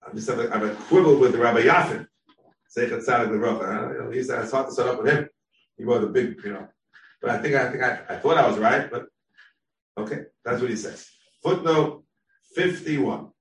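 Man teaching a text, echoey and distant. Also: medium pitch. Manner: thinks aloud, quotes sources, quick asides. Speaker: Talmud teacher. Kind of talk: text-based Talmud class.

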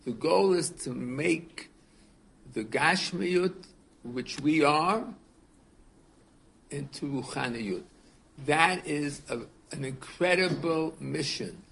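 A man's voice: on the high side, expressive, slow pace, creaky, long pauses, fairly bright tone. A man in his seventies, a rabbi teaching a class in a casual, earnest way, often repeating words and asking his students questions. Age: 70s.

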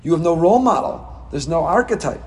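A man giving a Torah class as a rabbi, reading Hebrew texts and explaining them with passion, swinging between soft and loud. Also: on the high side, lively intonation, a little fast, gravelly, in a large hall. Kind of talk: Torah class on the weekly portion.

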